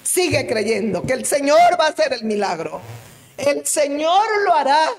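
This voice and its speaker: A woman evangelist delivers a sermon with fervent emotion, her delivery swelling toward tearful peaks. Her voice sits high, and she takes her time, drawing out each phrase slowly. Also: sing-song, a little mellow. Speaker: evangelist preacher.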